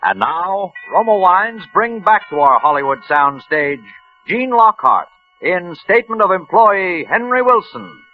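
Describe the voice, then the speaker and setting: A man's voice: high voice, very animated, unhurried. A man introducing a radio drama in a grand, theatrical 1940s manner. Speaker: announcer. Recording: dull old radio broadcast with music.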